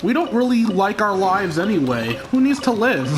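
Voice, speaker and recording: A man mockingly voicing silly game monsters that are eager to pick a fight, in a squeaky, raised voice. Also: very animated, moderate pace, crowd noise.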